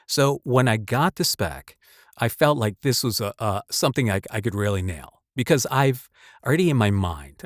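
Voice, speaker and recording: Animated man chatting, dry close sound. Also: lowish voice, no echo. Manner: halting, rambling delivery with repeated words. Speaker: voice actor and channel host. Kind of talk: casual chat, personal anecdote and advice.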